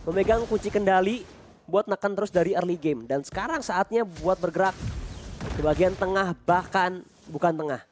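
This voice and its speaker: A man with an Indonesian accent doing excited esports play-by-play in the manner of a fighting game announcer, stretching out key phrases emphatically. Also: high voice, moderate pace, a little hiss or hum. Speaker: esports match commentator.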